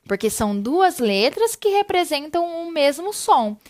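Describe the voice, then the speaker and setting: High-voiced woman teaching spelling. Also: big pitch swings. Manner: explanatory, frequent "né?" and "tá?" checks, slows on examples. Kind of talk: recorded online lesson.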